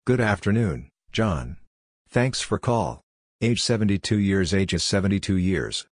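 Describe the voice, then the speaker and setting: A man reading amateur radio contact phrases in a measured, clipped way for Morse code practice. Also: deep voice, expressive, no echo.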